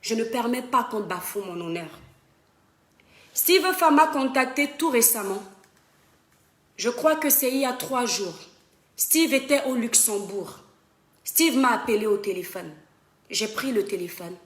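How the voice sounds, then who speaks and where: A woman's voice: a little high, lively intonation, a little slow, pauses often, roomy sound. A young woman talking straight to her viewers in an impassioned live-stream monologue. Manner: impassioned, addresses viewers as "mes étoiles". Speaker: social media live streamer. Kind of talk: emphatic Facebook live monologue. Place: home in western France.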